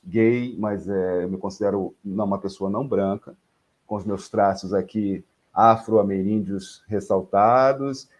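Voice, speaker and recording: A middle-aged man from Rio de Janeiro, introducing himself as an author on a panel over a video call from his home study. He speaks in an unhurried, reflective and personal way. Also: lowish voice, a little mellow. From Rio de Janeiro, Brazil.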